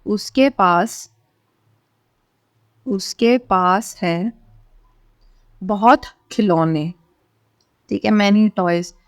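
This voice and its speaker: Indian woman, language teacher, unhurried and instructional, medium pitch, very dry recording. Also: no echo. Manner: instructional, often checking in with short tags. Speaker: English teacher, channel host. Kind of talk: step-by-step language lesson with word-by-word translation.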